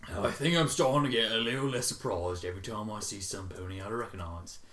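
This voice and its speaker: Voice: mid-range voice, a little fast, a bit bright, voice pushed down, lightly acted. A reader playing a brash, flustered pegasus mare. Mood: absentminded. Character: brash, cheeky female pegasus pony, easily flustered. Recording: echoey untreated room.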